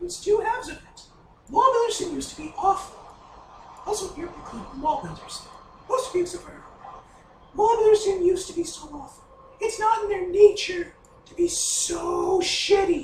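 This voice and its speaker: Pitched extremely high, a put-on character voice goes at a moderate pace with long, frequent pauses and a slight echo. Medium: actual play. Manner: argumentative, insistent.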